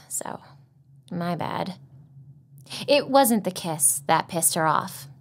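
A young adult woman reading a first-person teen novel, sassy and expressive, with whispered asides. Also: medium pitch. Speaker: audiobook narrator.

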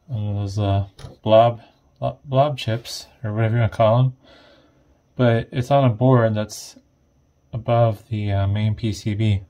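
A man giving casual, off-the-cuff narration of an electronics teardown, thinking aloud in a hesitant, low-key way. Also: warm tone. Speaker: host of an electronics teardown video.

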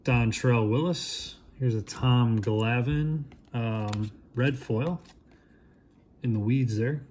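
A man in his thirties giving casual, low-key commentary while opening packs at a shop counter, naming each player as it comes up. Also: slow pace, darkish tone, slight background noise.

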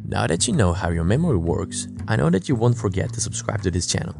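Man, non-native English speaker, calm instructional voice-over, animated delivery, gravelly tone, guitar music behind. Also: fairly low pitch, quick pace. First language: not English. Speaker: self-improvement channel host. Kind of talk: scripted voice-over narration.

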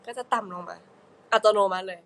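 A woman's voice: brisk, poor audio. Chatty young woman on a livestream. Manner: chatty, playful, giggly, reading fan comments. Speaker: idol livestream host. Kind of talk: casual livestream chat with fans.

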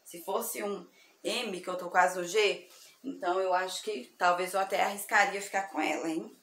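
A woman from Brazil selling thrift clothes online, chatty and effusive, her voice slightly hoarse from sleepiness. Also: mid-range voice, steady tone, normal speed, a bit bright. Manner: chatty, effusive, addresses viewers as girls. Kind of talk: casual product showcase. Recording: echoey room with faint ambient noise.

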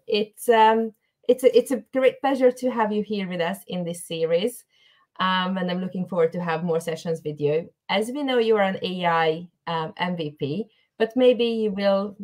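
A woman with a lowish, slightly mellow voice hosts an online webinar over a video call from an indoor room. She is courteous and a bit hesitant, repeating words as she introduces things.

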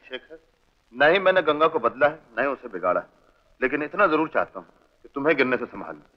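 An actor playing a loyal orphaned friend of the family, pleading theatrically in 1960s film dialogue. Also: male voice, medium pitch, big pitch swings, quick pace, natural voice. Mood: earnest. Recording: dull old film soundtrack with music.

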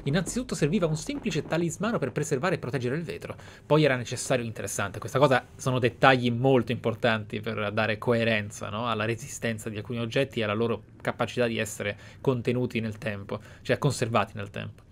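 A man's voice: mid-range voice, fast, hardly any pauses. A man giving roleplay game commentary in a theatrical, pensive manner with murmured asides. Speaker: video game player and narrator. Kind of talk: roleplay let's play commentary, in-character musing and reading aloud. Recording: clear background noise, game ambience. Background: video game ambience.

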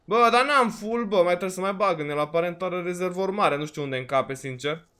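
A man's voice: high-pitched, bright, forceful tone, clear, resonant tone. A man with a Romanian accent giving casual let's-play commentary, chatty and exclamatory, his voice slightly worn. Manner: chatty, exclaims often, peppers talk with "frate" and "bă". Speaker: gaming video host.

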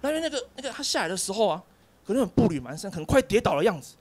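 A man's voice: high-pitched, very fast. A young man performing a stand-up comedy set on a club stage, telling a story and acting out the people in it with shifting voices. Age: young adult. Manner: animated storyteller, acts out characters in shifting voices.

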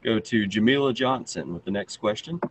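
A man in his thirties briskly moderating a press conference over a video call. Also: fairly low pitch, animated, husky, rough recording. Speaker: media relations moderator. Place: indoor room, on video call. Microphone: video call, speaking through face mask.

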